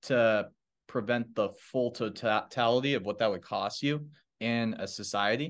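An ordinary speaking voice from a man with an American accent, medium in pitch with ordinary pitch variation, at a fairly slow pace against a quiet background. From United States. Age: 20s. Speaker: podcast host. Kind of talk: interview.

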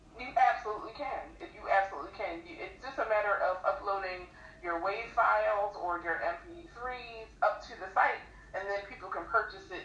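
A woman's intonation stays lively while audible room echo and noticeable background noise surround her words. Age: 40s. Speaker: graphic designer. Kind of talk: casual interview.

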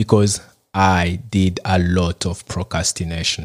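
A man with a Congolese accent talks in a very deep, low pitch, recorded very cleanly against a silent background with a dry, close sound and no echo. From DR Congo. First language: French. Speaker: podcast host. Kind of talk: solo podcast monologue, reflective. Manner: halting, with repeated words.

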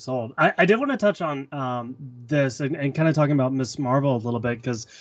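A man with an American accent speaks at a fairly quick pace in a fairly high pitch, with ordinary pitch variation over a quiet background. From US South. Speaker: podcaster. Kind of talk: casual chat.

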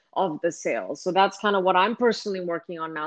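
An unremarkable speaking voice from a woman, with ordinary pitch variation. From US (moved from India at nine). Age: 20s. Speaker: media entrepreneur and speaker. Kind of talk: interview. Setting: video call.

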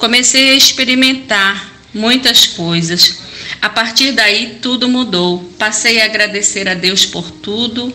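Over noticeable background noise, a woman talks at a very slow pace, her fairly high pitch showing ordinary variation. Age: 60s. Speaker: church member giving testimony. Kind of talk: testimony.

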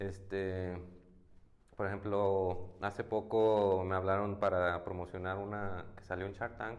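Monotone and flat, a man's fairly low voice moves at a fairly slow pace with audible room echo. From Mexico, Torreón, Coahuila. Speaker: content creator. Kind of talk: interview. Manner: halting.

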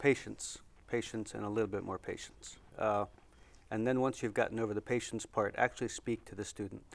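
A man speaks fairly quickly at medium pitch with vocal fry. His intonation stays flat and monotone. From Syria and Lebanon. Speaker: university international student director. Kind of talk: interview.

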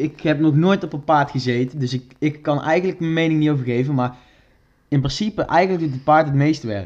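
A man with a plain, everyday voice, fairly high pitched, ordinary pitch variation and a quiet background. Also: fairly quick pace. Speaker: podcast guest. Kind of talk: casual chat. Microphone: far from the mic, too quiet.

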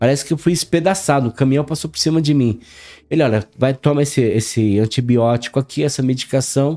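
A man talks at a fairly quick pace with a fairly high pitch and ordinary pitch variation. His tone is dark and mellow on a very clean recording with a silent background. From Brazil, Ferraz de Vasconcelos, greater São Paulo. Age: 40s. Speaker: driver and former city council candidate. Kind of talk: podcast interview. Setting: studio.

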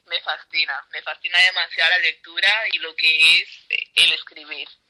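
A woman's fairly low-pitched voice, flat and monotone, at a moderate pace. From Spain. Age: 20s. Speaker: writer. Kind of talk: interview.

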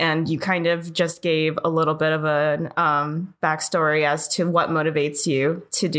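Pitched fairly low, a woman speaks at a moderate pace in an ordinary speaking voice. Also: very clean recording, silent background. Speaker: podcast host. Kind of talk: casual chat.

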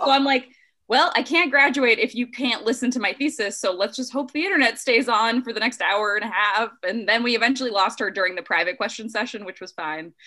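Lively intonation runs through an ordinary speaking voice. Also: woman, fairly high pitch for a woman. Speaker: lab scientist. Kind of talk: casual interview chat.

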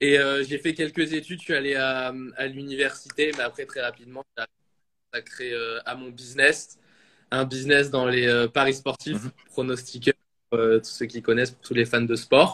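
A medium-pitched man with a bright, sharp tone, fairly even intonation, big swings in loudness and a moderate pace. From southern France, Nice. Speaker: sports betting entrepreneur. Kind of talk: interview testimony.

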